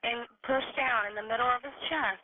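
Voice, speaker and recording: A woman's voice: a little high, a little fast. A woman working as an emergency dispatcher, asking questions and giving procedural instructions over a tinny phone line. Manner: procedural, directive.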